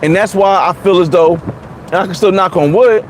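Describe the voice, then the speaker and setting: A man's voice: high voice, moderate pace, slight background noise. A man in his forties, a vlogger chatting casually and bluntly, repeating himself and restarting often. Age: 40s. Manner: blunt, repetitive, many restarts. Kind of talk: casual livestream chat reading comments.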